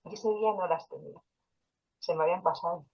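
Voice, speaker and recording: Low-voiced woman telling her story. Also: fast, gravelly, slightly rough, muffled recording. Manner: personal storytelling with quoted dialogue and fillers. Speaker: interview guest, hypnotherapist. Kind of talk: casual interview storytelling.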